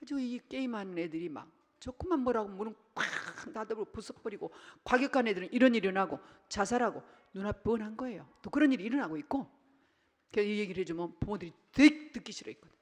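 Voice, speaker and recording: Animated woman pastor preaching in a reverberant hall. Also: mid-range voice, fast. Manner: animated, swings between loud bursts and hushed asides; acts out family scenes in quoted voices. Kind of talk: Sunday sermon. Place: church sanctuary. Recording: church hall with long reverb.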